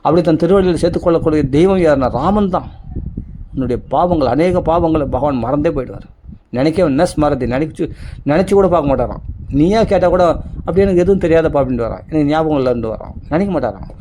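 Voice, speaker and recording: A man's voice: on the high side, lively intonation, fast, mellow, a little hiss or hum. A man giving a devotional discourse, emphatic and repetitive, asking many rhetorical questions. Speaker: religious speaker.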